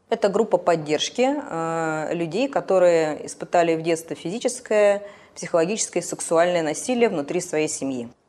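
In an unremarkable speaking voice, a woman talks with lively intonation at a fairly low pitch. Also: moderate pace. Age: 30s. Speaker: psychologist. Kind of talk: interview.

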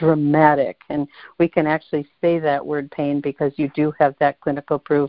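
The woman's pitch is very deep and low. She talks at a fairly slow pace. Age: 60s. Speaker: podcast host. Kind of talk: interview. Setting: phone call. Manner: effusive.

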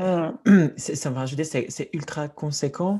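A woman speaks at a very slow pace with a very deep, low pitch and ordinary pitch variation. Her tone is dark, mellow and somewhat breathy, over a quiet background. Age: 30s. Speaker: podcast host. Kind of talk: casual interview.

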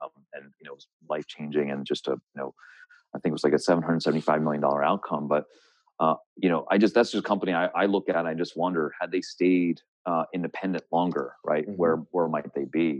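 Very deep and low in pitch, a man with an American accent speaks at a very fast pace. His intonation is fairly even, and the sound is dry and close with no echo. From Philadelphia suburbs, US. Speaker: entrepreneur. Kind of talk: interview conversation. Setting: video call.

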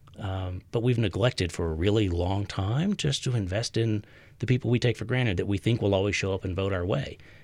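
A man talks at a fairly quick pace with a somewhat breathy voice. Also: fairly low pitch for a man, ordinary pitch variation, very clean recording, silent background. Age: 30s. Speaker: city councilor and advocacy group director. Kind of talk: interview.

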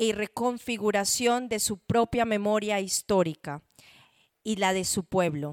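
A woman with a fairly high pitch and a normal speaking voice talks at a fairly slow pace with ordinary pitch variation, recorded very cleanly against a silent background with a dry, close sound and no echo.

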